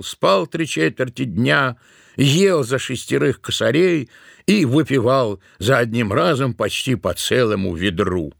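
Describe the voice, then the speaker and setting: A man narrating a tale for an audio play in an expressive, measured storytelling manner. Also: on the high side, vocal fry, dry recording, clean studio sound.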